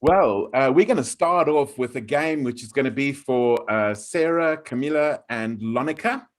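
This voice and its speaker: A man introducing an improv game over a video call, pausing often with "uh". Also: medium pitch, lively intonation, some chatter behind. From South Africa. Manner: halting, many "uh" pauses.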